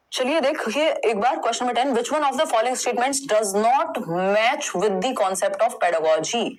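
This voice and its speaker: A woman's voice: a little high, rough recording. A young woman teaching an exam-prep lesson in a conversational, reassuring way, mixing English terms into her speech. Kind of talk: online lesson, explaining test answers.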